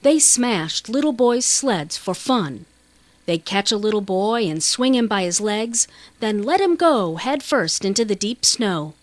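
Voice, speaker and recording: A woman's voice: on the high side, no echo. Woman narrating a storybook, dry recording. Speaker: audiobook narrator.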